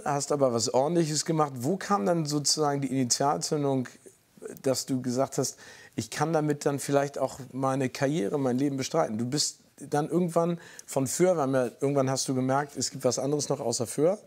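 A man's voice: medium pitch, moderate pace. A man hosting a TV talk show, upbeat and encouraging, steering guests with questions. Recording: TV studio with loud audience and noise.

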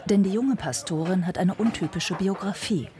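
A woman narrating a documentary in a calm, measured, scripted way. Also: medium pitch, a faint crowd.

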